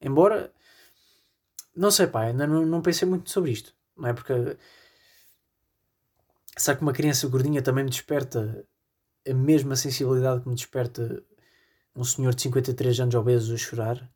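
A man's voice: medium pitch, steady tone, a little fast, pauses often, darkish tone. A man with a European Portuguese accent hosting a solo comedy podcast, rambling in a self-deprecating way with constant fillers. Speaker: podcast host.

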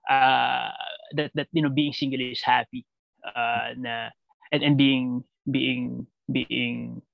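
Filipino male, Taglish, gravelly fry, halting reflective conversational delivery, slightly dull recording. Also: medium pitch, little pitch movement, dry recording. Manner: halting, repeats words while thinking aloud. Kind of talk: reflective conversational interview answer in Taglish, mixing Tagalog and English.

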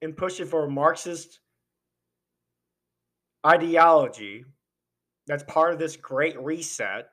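Here the podcast host speaks slowly with long pauses, his slightly high voice bright and forceful. His opinionated political monologue is impassioned and riddled with rhetorical questions, and he's clearly losing his voice.

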